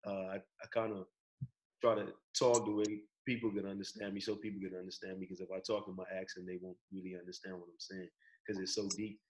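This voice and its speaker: A young man from the Bahamas with a Bahamian accent, a guest in a casual interview over a video call, relaxed and laid-back, often saying "bro" and "you know". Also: low voice, fast talker, a little hiss or hum, low-quality recording. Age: young adult. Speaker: guest, college athlete.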